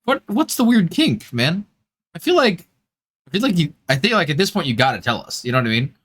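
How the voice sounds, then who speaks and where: A man's voice: on the high side, big pitch swings, a little fast, a bit bright, husky. A man hosting a live gaming stream, chatting casually and jokingly with his viewers in slangy language. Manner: jokey, slangy, swears casually. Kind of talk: casual livestream chat with viewers.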